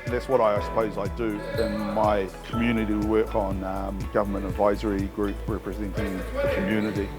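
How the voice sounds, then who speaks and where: A man, a community leader speaking in a steady, measured way in a documentary interview. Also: lowish voice. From New Zealand. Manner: steady, measured, "you know" and "I suppose". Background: background music.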